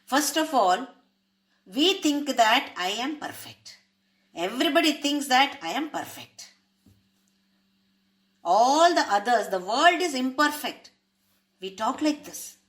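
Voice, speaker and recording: Slow, measured woman teaching scripture. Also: high voice, sing-song, a bit bright. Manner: asks rhetorical questions to listeners; uses Sanskrit terms. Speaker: spiritual teacher. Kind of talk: explaining a spiritual text.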